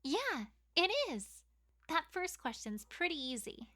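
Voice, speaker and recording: Girl doing polite smart young pony roommate for a fanfic, high and bright, kinda quiet recording. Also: animated, unhurried, exaggerated voice. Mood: matter-of-fact. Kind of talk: amateur fan fiction voice acting.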